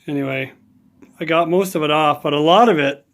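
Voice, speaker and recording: A man talking casually in a relaxed, rambling way as he works on a guitar in his home workshop vlog. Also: fairly high pitch, brisk. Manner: rambling, easygoing, lots of fillers. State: hiccups. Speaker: guitar hobbyist vlogger.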